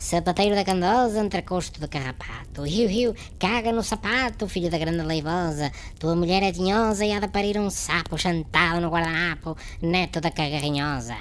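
Clear background noise accompanies a woman speaking at a fairly low pitch and a moderate pace. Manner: abusive, manic, rattling insults.

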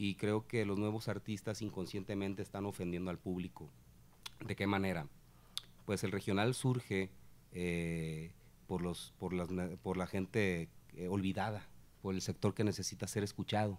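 A man's very deep, low pitch, fairly even intonation and moderate pace, broken by long, frequent pauses. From Mexico, Michoacán. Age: 30s. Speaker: regional Mexican singer. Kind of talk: interview.

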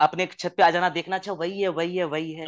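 A man speaks against a quiet background. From Bihar, India (Katihar); Bihar. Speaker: actor. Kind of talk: interview. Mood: cheerful, laughing often. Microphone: video call.

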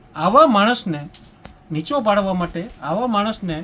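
Against noticeable background noise, a man speaks in a high voice whose pitch swings very widely. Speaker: village deputy head and community leader. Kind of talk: political statement to camera.

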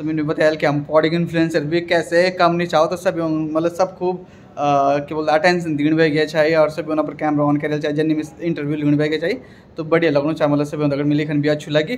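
Over light background noise, a man talks in a monotone with flat intonation. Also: fairly high pitch for a man, moderate pace. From Uttarakhand, Pauri Garhwal; Uttarakhand. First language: Garhwali (speaking Hindi). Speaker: regional-language vlogger. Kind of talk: travel vlog in Hindi and Garhwali. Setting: university campus event.

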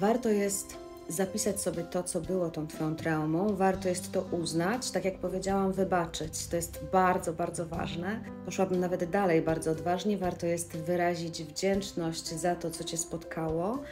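A woman with a fairly low pitch at a moderate pace, with hardly any pauses and fairly even intonation, over clear music in the background. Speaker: voice coach and mentor. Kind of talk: coaching talk to camera on emotions and trauma. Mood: warm, gentle, encouraging. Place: home room. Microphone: phone near.

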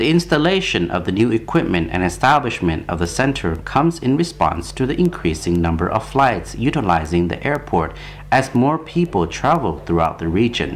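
With hardly any pauses and very wide pitch swings, the speech moves at a moderate pace over noticeable background noise. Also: man. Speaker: news presenter. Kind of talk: TV news report.

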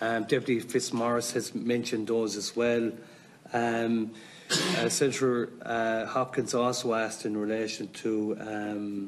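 A man with an Irish accent, monotone and flat, at a fairly slow pace amid noticeable background noise. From Ireland. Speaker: committee chair. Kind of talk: meeting chairing. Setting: committee hearing room. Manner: halting. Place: meeting room. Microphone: podium.

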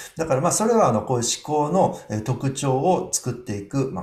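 A somewhat breathy man speaks at a moderate pace with very wide pitch swings. There is audible room echo, but the background is quiet. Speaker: education researcher. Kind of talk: lecture. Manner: frequent fillers, halting; polite formal. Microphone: webcam.

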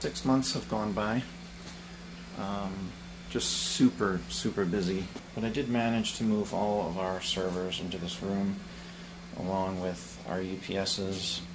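Very deep, low male pitch with lively intonation, a fairly slow pace and long, frequent pauses, over noticeable background noise. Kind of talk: casual vlog chat. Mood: pleased, lightly humorous. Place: office. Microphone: phone near.

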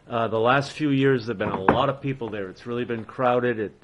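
Noticeable background noise is present. Over it, a man's voice is heard. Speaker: board chairman. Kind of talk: chairing a public meeting. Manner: formal. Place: meeting room. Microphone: podium.

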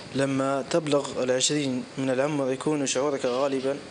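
Monotone, flat delivery at a fairly slow pace amid noticeable background noise. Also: man. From Libya, Benghazi; Libya. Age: 20s. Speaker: media student, wounded war veteran. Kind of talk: personal testimony in a news feature; interview answer. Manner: halting, with repetitions. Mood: reflective, calm. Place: cafe. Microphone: lapel.

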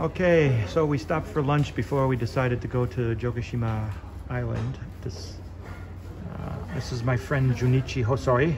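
A man's speech, moderate in speed and ordinary in pitch variation, comes through noticeable background noise. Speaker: travel vlogger. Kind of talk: casual vlog chat. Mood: relaxed, cheerful. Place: cafe. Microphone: phone near.

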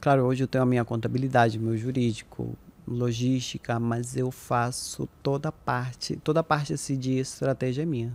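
The man keeps a moderate pace with hardly any pauses. His intonation stays fairly even. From Uruguay. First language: Spanish (speaking Portuguese). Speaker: makeup artist and entrepreneur; podcast guest. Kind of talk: podcast interview. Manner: halting. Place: studio. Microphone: studio mic.

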